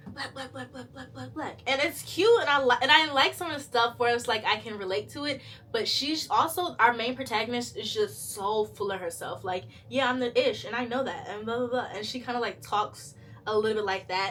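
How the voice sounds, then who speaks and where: In a high voice, a woman talks at a fairly quick pace with an animated tone, lively intonation and big swings in loudness, over noticeable background noise. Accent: American. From United States. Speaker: book vlogger. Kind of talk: casual chat. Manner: fast.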